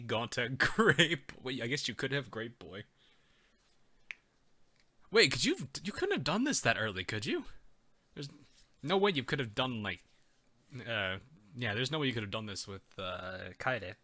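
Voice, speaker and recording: A man's voice: medium pitch, pushed and bright, no echo. A man streaming a game, chatting casually with viewers, laughing often and reading chat aloud. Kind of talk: casual let's-play commentary.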